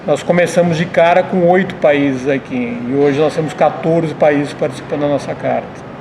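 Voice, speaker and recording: Higher-voiced São man, creaky. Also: normal speed, noisy background. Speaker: restaurant owner being interviewed. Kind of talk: conversational interview answers.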